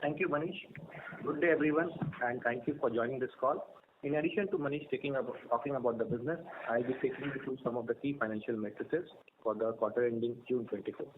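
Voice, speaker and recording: A man's voice: mid-range voice, fast talker. A man working as a financial controller, reading out a scripted financial report over a thin conference line. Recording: phone-like conference line, faint noise.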